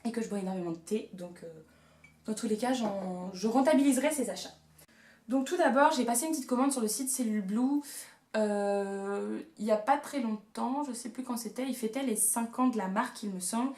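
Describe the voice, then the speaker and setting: A young woman in her twenties talks through a shopping haul at home, gushing over every find with playful asides. Her voice sits on the higher side. The camera mic picks up a noticeably echoey room. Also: fairly quick, a little mellow. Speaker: beauty and haul vlogger. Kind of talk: casual haul video chat.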